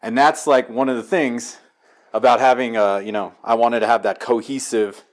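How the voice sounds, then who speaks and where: A man with a medium-pitched voice gives a casual tour of his gear at home. He talks in a loose, rambling, slangy way, like an enthusiast telling stories. The setting is a living room. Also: steady tone, normal speed. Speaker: home theater enthusiast giving a walkthrough. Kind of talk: casual gear walkthrough chat.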